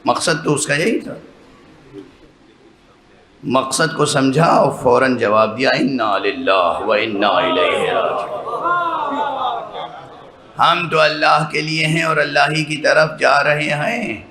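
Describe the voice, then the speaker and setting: A man's voice: a little high, steady tone, creaky, pushed and bright. A man, a religious scholar, giving a sermon lecture that explains its points step by step and often checks with listeners through rhetorical questions. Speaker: religious scholar addressing a mourning gathering. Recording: echoey hall with faint background noise.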